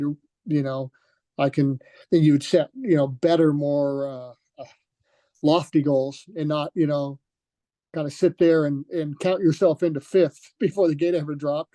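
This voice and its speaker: A man's voice: on the high side, warm tone, dry recording. An older man, a retired racer, telling stories from his career in a loose, rambling interview with many fillers and restarts. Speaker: retired motocross racer, guest. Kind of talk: relaxed reminiscing in an interview.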